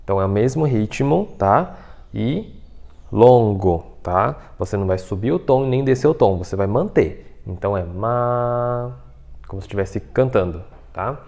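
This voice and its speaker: A man's voice: lowish voice, animated, normal speed, vocal fry, warm tone. A man, patiently explaining pronunciation in a casual video lesson, checking in with "tá?" and "né?" as he goes. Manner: explains patiently, many fillers like "tá?" and "né?". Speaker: Mandarin teacher.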